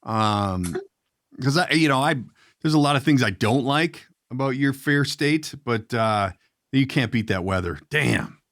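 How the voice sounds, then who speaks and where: A middle-aged man hosts a casual podcast interview. His voice is average in pitch and recorded very dry. He rambles informally through his questions in an everyday conversational style. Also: animated, a little slow, a bit bright, dry recording. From Minnesota. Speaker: podcast host.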